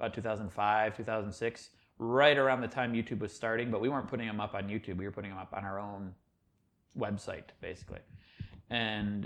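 Over a quiet background, a man talks at a fairly quick pace in a fairly low voice with fairly even intonation. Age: 30s. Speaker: YouTube video creator. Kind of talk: interview. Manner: halting, many false starts.

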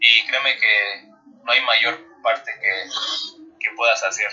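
Each word comes out very slowly. The voice is a man's. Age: 20s. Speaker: podcast guest. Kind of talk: casual chat. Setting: Instagram live video call.

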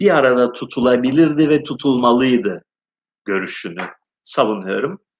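A man talks in a fairly high voice at a fairly slow pace. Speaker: political commentator. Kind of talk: casual monologue answering listener questions. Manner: improvised, with frequent hesitation fillers; animated.

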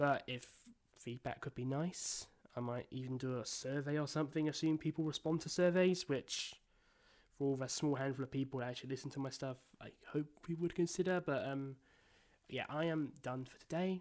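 Here a man speaks at a fairly quick pace and a fairly high pitch. The recording is very clean, with a silent background. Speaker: solo gaming podcaster. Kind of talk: casual solo monologue. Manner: fast; hesitant, many fillers.

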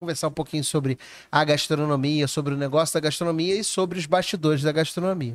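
This man's pitch is fairly high. He talks very fast, his intonation fairly even. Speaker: podcast host. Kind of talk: casual chat. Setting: live stream. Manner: speaking quietly and calmly.

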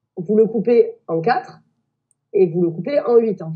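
A woman speaks with ordinary pitch variation. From Marseille, southern France. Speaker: life coach, former nurse. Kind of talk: casual interview.

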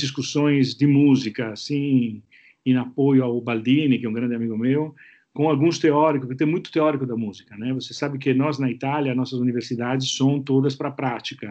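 A man speaks with an Italian accent at a moderate pace. His pitch is fairly high. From Italy. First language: Italian (speaking Portuguese). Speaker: opera conductor. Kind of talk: interview. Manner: halting.

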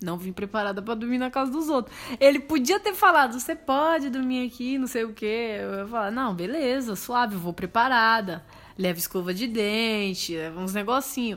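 A woman with a normal speaking voice talks at a moderate pace and a fairly high pitch, using lively intonation. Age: 20s. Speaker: podcast co-host. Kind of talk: casual chat. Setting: home, on a sofa.

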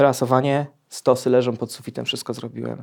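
The speaker is a man. His voice stays at a medium pitch. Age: 40s. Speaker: poet and recovering alcoholic. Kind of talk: personal testimony in interview. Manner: halting, many repetitions and fillers.

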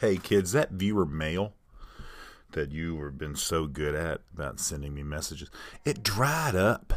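A man speaks at a fairly slow pace with a Southern US accent, his very deep, low voice carrying ordinary pitch variation and an animated tone on a very clean recording with a silent background. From US South. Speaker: podcast host. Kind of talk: casual comedic monologue. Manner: animated, humorous storyteller.

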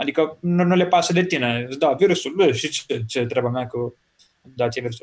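A man with a fairly high pitch and a normal speaking voice speaks at a moderate pace, his pitch varying in an ordinary way. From Romania, Piatra Neamț. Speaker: social media influencer. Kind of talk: casual chat.

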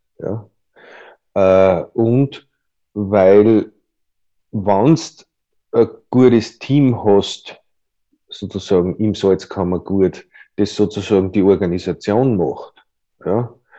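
A man with an Austrian accent speaks at a very slow pace with long, frequent pauses, his fairly low voice dark and mellow in tone with ordinary pitch variation. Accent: Austrian dialect speaker. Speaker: actor. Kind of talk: casual interview. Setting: video call.

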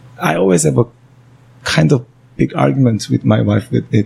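A man with a Korean accent, very deep and low in pitch, at a moderate pace with very wide pitch swings. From Korea, Seoul. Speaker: bar owner. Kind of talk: casual chat. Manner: halting.

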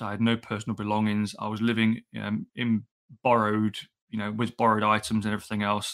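With a British accent, a man speaks fairly quickly in a fairly low pitch. His tone is bright and sharp, his intonation monotone and flat. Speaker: fitness coach podcast host. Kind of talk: solo podcast telling personal story. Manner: fast-thinking, sometimes halting, emotional.

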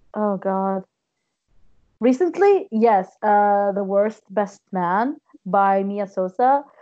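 A woman with an Arabic accent speaks at a medium pitch. Her pace is very slow, with long, frequent pauses. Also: ordinary pitch variation. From Middle East. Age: 20s. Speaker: romance author. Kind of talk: casual interview. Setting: remote call.

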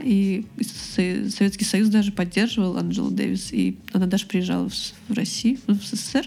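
This woman has a dark, mellow tone, a somewhat breathy medium pitch, and a fairly slow pace. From Moscow region, Russia. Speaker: curly hair stylist and blogger. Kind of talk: casual interview chat.

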